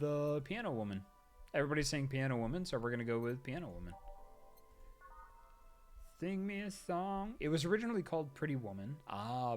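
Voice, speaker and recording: Male game streamer, casual and animated, soft game music underneath. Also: medium pitch. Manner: playful, chatty, voices the characters. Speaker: streamer reading a visual novel aloud. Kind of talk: live game stream commentary.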